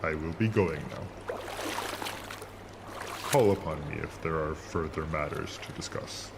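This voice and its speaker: Man voicing an ancient sea monster, very deep and slow. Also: vocal fry, very noisy, exaggerated voice. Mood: aloof, conceding. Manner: formal, measured, stilted speech. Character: ancient, aloof male sea monster, formal and grave. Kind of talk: audio drama acting. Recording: loud watery ambience behind voice.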